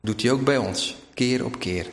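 Dutch preacher in an echoing hall. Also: male voice, medium pitch, normal speed, creaky, a little hiss or hum. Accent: Zeeuws-Vlaams Dutch. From Zeeland, Netherlands. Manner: storytelling, shifting into quoted voices, emphatic. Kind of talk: sermon. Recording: echoey hall with long reverb.

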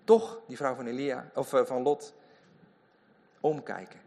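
A man preaching a lively sermon in a church, full of emphatic asides. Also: mid-range voice, unhurried, vocal fry. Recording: long hall reverb.

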